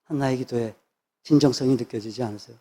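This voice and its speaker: A man's voice: medium pitch, fast, mellow, husky. A man, a pastor, preaching a sermon with emphatic repetition of phrases. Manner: emphatic, repeats phrases for stress.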